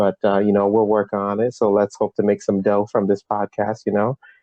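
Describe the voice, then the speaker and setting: A man talks with a Toronto accent. His pitch is fairly low. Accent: Toronto Canadian English, multicultural. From Canada, Toronto, Ghanaian background. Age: 20s. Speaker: podcast co-host. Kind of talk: casual chat.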